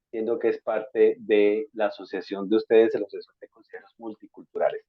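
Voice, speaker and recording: A man from Colombia hosting an interview on a video call, courteous and measured with frequent hesitations. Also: lowish voice, little pitch movement, no echo. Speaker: interviewer, school counselor. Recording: dry, tinny call audio.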